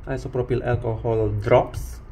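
A man presenting a hands-on repair tutorial, explaining step by step in short, halting phrases. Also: medium pitch, fairly even intonation, warm tone, a little hiss or hum. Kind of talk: hands-on instructional demonstration.

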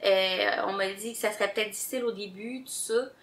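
Québécois woman cohosting, bright voice, lots of um and restarts, sounds roomy. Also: mid-range voice, fairly quick. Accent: Québécois French. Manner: hesitant, many fillers and restarts, enthusiastic. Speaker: podcast co-host. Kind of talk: casual chat. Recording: roomy echo.

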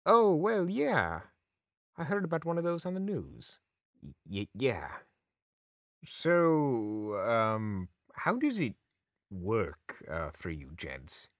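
Guy doing discord, snarky chaos spirit, slow drawl, big pitch swings, dry sound. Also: huge pitch swings, dry recording, heavily acted. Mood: awkward. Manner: sarcastic, theatrical swings in pitch. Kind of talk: fan radio drama acting.

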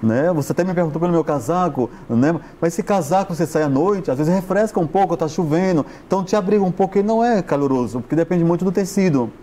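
Sitting on a sofa on a TV studio set with a lapel mic, a Brazilian fashion stylist in his forties makes chatty interview conversation, talking with his hands and ending many sentences with tag questions. His voice is a little high, warm, and expressive, moving quickly with hardly any pauses. A little hiss or hum is audible.

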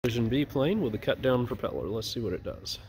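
A man flying indoor model planes in a large gym, giving low-key, chatty running remarks into a handheld camera. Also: animated, fairly quick, darkish tone, a little hiss or hum. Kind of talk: casual commentary while flying.

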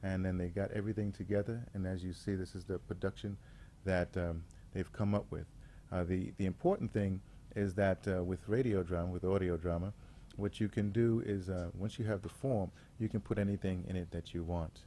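Give this a man with a low, dark voice. He addresses a gathering informally as an artistic director, pausing often to find his words. There is faint ambient noise behind him. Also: fairly even intonation. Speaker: radio theater artistic director, guest facilitator.

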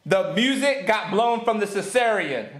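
A young man, a filmmaker, playing a lip-reading game with his wife, talking loudly and laughing as he shouts over music in his headphones. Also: high voice, animated, normal speed, a little hiss or hum. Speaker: filmmaker, host's husband. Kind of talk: casual game chat. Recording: roomy echo.

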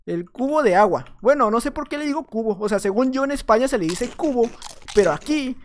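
A man with a Mexican accent giving playful, jokey gameplay commentary, swinging between loud excited outbursts and low mumbles. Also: a little fast. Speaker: gaming YouTuber.

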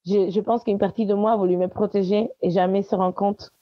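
A woman's voice: mid-range voice, fairly even intonation, a little fast, no room sound. A woman from Italy, speaking French as a podcast guest and sharing personal testimony in conversation. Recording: dry, dull lo-fi sound.

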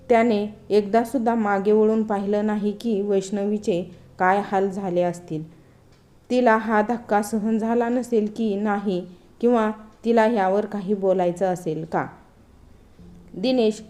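A woman narrating an emotional moral story in a steady, earnest storytelling manner. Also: medium pitch.

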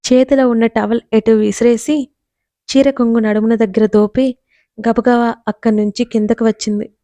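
A woman narrating a romance story with an even, measured reading. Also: on the high side, dry recording.

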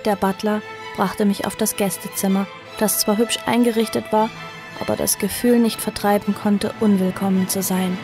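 A woman's voice: mid-range voice, close to an everyday voice. A woman playing an earnest fifteen-year-old niece who also narrates her story in an audio drama. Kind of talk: audio drama acting and first-person narration.

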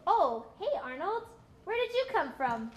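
An eager young whale, played by a woman in a puppet show, talks with wide-eyed enthusiasm. Her voice sits very high. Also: very animated, a little slow, a little hiss or hum, exaggerated voice. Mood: curious. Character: young female sperm whale, curious and eager.

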